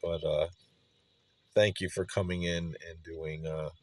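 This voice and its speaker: Very deep-voiced, halting middle-aged man. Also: little pitch movement, a little mellow, no echo. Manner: halting, pausing mid-sentence, earnest. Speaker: spirit box session host. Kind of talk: slow reflective monologue addressed to a spirit.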